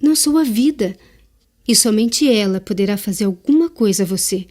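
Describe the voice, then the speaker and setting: Woman as mellow-voiced, seductive Brazilian Death. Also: mid-range voice, animated, lightly acted. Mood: solemn, serene. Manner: measured, solemn, knowing. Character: Death as a mysterious, seductive, serenely inexorable woman. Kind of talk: dramatic audio drama dialogue.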